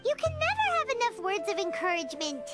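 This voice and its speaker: A woman voicing a tiny, childlike fairy companion in a video game, chirpy, blunt and cartoonishly expressive. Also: fast, loud music behind the voice, exaggerated voice. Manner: squeaky, expressive, refers to self by name.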